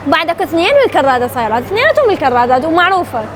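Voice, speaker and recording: A woman's voice: sits high, big pitch swings, rapid-fire. A woman with an Iraqi accent hosting a street quiz in a chatty, teasing, playful way. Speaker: street quiz show host. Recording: noisy busy public place, street and crowd sound.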